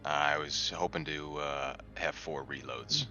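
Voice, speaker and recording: Very deep, sharp-edged male gamer. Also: steady tone, takes it slowly. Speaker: roleplaying game player. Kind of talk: casual game chat. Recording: dull lo-fi microphone, music underneath. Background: background music.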